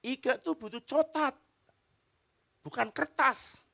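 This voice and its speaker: A man's voice: very high-pitched, slow, creaky, sharp tone, pitched above the performer's own voice, exaggerated voice. A man voicing a small girl who lisps and begs for chocolate. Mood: whiny. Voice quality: childish lisp.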